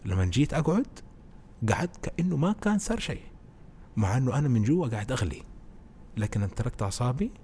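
A man, a podcast guest who explains presenting skills through animated stories in casual conversation. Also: medium pitch, racing, pauses often, a little hiss or hum. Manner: animated storytelling, explains with anecdotes.

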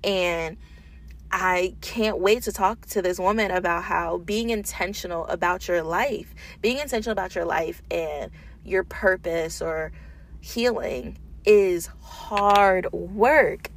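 A woman's voice: lowish voice, slow, slight background noise. A woman talking casually and informally in an unedited solo podcast, thinking aloud as the host, recorded in a small office booth.

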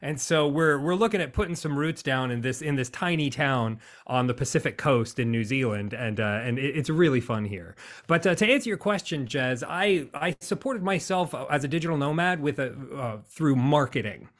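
A man's voice: medium pitch, animated, moderate pace, a bit bright. An American man chatting as a podcast guest, cheerful and talkative, laughing easily. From United States. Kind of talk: casual interview chat.

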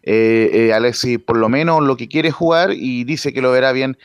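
A man's voice: mid-range voice, moderate pace, clear, resonant tone, no echo, clean studio sound. A man with a Chilean accent hosting a sports radio panel, talking casually with lots of fillers and restarts. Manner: hesitant, many fillers and restarts.

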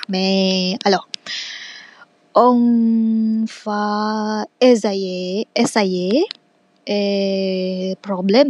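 A woman's voice: medium pitch, a little mellow, dry recording. A young woman who is not a native French speaker, recording a class podcast as a student in a hesitant, casual monologue full of fillers and restarts.

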